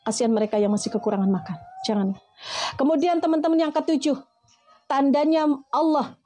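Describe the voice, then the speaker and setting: High, mellow-toned woman preacher giving a motivational talk to her listeners. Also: brisk, soft background music. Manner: addresses listeners as friends, asks rhetorical questions.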